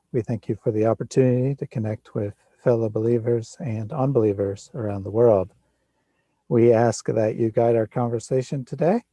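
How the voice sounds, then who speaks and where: A man of forty hosting a casual livestream, chatting in a relaxed way and laughing often. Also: medium pitch, no echo. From Midwest United States. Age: 40s. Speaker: livestream host.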